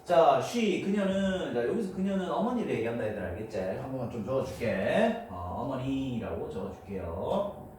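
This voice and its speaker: Recorded on a distant, noisy room mic with lots of room sound, a male teacher gives an English grammar lecture at normal speed. His mid-range voice has a darkish tone and big pitch swings as he works through the material step by step, frequently asking students to agree.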